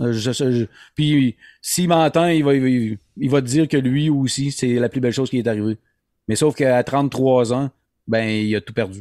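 This man has an ordinary speaking voice, medium in pitch with ordinary pitch variation, and he talks at a fairly slow pace in a dry, close sound with no echo. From Quebec, outside Montreal. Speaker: podcast guest, business owner. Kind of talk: casual interview chat.

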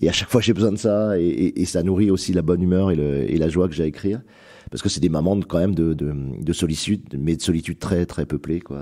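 Speaking at a very fast pace, a man uses a very deep, low voice with a dark, mellow tone and ordinary pitch variation. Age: 50s. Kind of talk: panel discussion. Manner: repeats words, halting starts.

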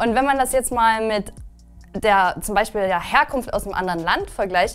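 A woman speaks at a moderate pace with a fairly high pitch and lively intonation. Faint music plays in the background. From Saxony, Germany. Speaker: video host. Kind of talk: casual talk to camera, reaction video. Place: studio. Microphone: lapel.

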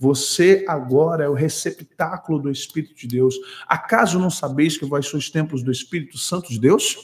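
Animated and somewhat breathy, a man with a fairly high pitch speaks at a moderate pace with ordinary pitch variation and hardly any pauses. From Brazil. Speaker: preacher. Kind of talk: sermon. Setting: online livestream. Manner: rhetorical, pointed. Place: home room. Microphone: studio mic.

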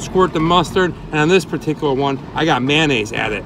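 A man is heard in a dry recording with no echo but noticeable background noise. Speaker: travel food vlogger. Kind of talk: casual vlog chat. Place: street.

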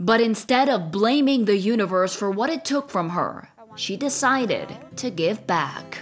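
A woman speaks at a fairly slow pace with lively intonation. Music plays in the background. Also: fairly high pitch for a woman. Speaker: news anchor. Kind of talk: TV news feature narration.

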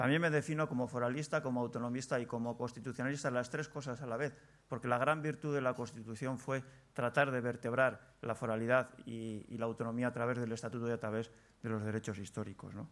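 Talking at a very fast pace, a man keeps his intonation fairly even. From Basque Country (Biscay). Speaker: politician, provincial government candidate. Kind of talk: campaign speech at a forum. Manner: hesitant, frequent fillers and repetitions. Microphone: podium.

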